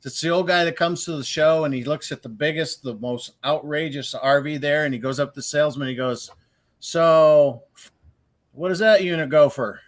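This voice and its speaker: A man's voice: fairly high pitch, fairly even intonation, a little fast, few pauses, a bit bright. A man hosting a live question-and-answer show, talking casually and telling jokes in a folksy way with plenty of fillers. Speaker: host.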